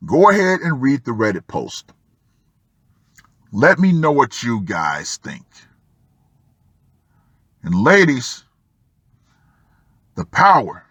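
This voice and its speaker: A man giving opinion commentary as an online host, emphatic and fond of dramatic pauses. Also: medium pitch, very animated, a bit bright, husky, dry recording. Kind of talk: opinion commentary on a Reddit post.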